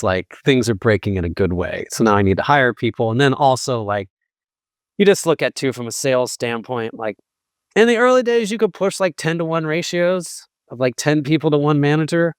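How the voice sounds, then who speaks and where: A man answering interview questions as a sales executive, speaking informally and emphatically, often acting out quick bits of dialogue. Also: mid-range voice, no room sound, clean studio sound. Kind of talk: casual conversational interview answers.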